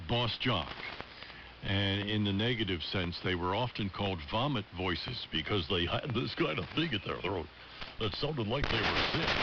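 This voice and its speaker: A man with a very low voice and a practiced radio announcer's control talks casually with other hams. His signal arrives dull and muffled, with clear static hiss underneath. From United States. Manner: measured broadcast-style delivery. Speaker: ham radio operator.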